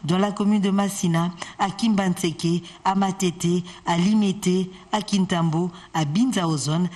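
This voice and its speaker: A woman reading a formal news report as a voice-over, steady and even. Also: on the low side, a little slow.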